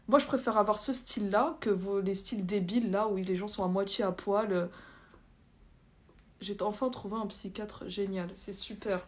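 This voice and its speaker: A young adult woman chatting informally on a livestream, reading out comments and answering them bluntly in hesitant, loose phrasing. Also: mid-range voice. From France. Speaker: livestream host. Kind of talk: casual live chat, reading out and answering viewer comments.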